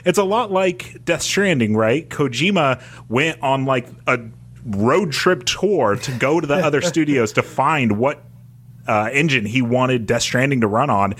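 A man at a middle pitch co-hosting a podcast panel. He answers questions loosely and casually, slipping in dry jokes with a straight face. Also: measured pace. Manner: dry, deadpan joking. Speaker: podcast co-host.

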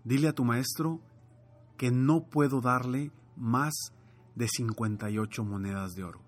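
Storybook jeweler, voiced by a male narrator: businesslike, deliberate, bargaining, husky, faint music behind. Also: mid-range voice, close to an everyday voice.

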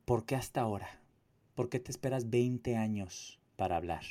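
A man's voice: mid-range voice, normal speed, mellow. A man giving a personal testimony monologue, emphatic, with repetition and rhetorical questions. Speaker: activist and abuse survivor telling own story.

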